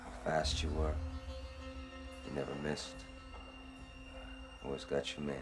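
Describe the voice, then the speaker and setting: A brooding gunman out for revenge in a western film. His low voice is threatening and moves across a very wide range. Clear dramatic music runs behind it. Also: very animated, moderate pace. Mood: cold menace. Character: vengeful, cold male gunman avenging his dead father. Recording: dramatic music under the dialogue.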